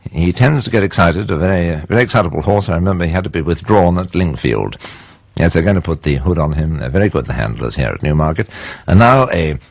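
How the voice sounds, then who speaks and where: Guy doing horse race commentator, earnest and straight-faced, lowish voice, very dry sound. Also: animated, fast, vocal fry, dry recording, full character voice. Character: deadpan horse racing commentator, building to frantic excitement. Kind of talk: racing commentary.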